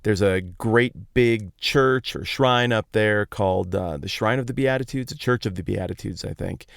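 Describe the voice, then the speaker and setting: Low-pitched man with a gravelly creak. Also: moderate pace, dry recording, studio quality. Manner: conversational, explanatory, informal wording. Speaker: podcast host. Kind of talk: casual Bible teaching talk.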